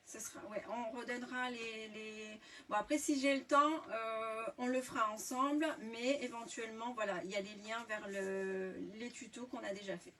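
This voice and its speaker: A French woman with a fairly high voice hosts a live craft tutorial, chatting loosely with plenty of fillers and false starts. She sits a little away from the mic, and a faint hiss runs under her voice. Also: fairly bright tone, distant mic. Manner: chatty, many fillers and restarts. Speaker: scrapbooking workshop host.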